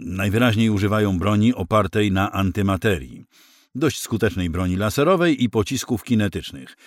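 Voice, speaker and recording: Male narrator doing a gloomy admiral, low, heavy and matter-of-fact, dry close sound. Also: lively intonation, normal speed, no room sound. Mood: grim, explaining.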